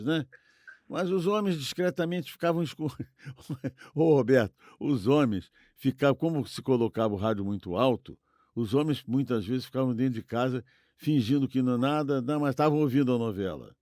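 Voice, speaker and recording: A man's voice: medium pitch, a little mellow, no echo, studio quality. An older man with a Brazilian accent, chatting casually and nostalgically as a co-host, rambling and repeating himself for emphasis. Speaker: podcast co-host.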